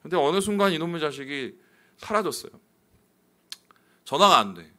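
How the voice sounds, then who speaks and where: Bright-voiced pastor telling a story. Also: male voice, fairly high pitch, very animated, normal speed. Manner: candid storytelling with sudden swings in loudness. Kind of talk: sermon.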